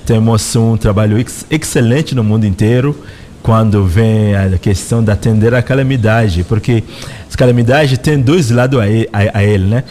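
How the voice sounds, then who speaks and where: A middle-aged man with a Congolese accent speaks slowly and thoughtfully into a close studio mic. His voice sits fairly low, and he explains each point with care, as a guest answering interview questions in a radio studio. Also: mellow, slight background noise. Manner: measured, reflective explaining. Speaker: representative of a spiritual organization, guest. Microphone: studio microphone close in front.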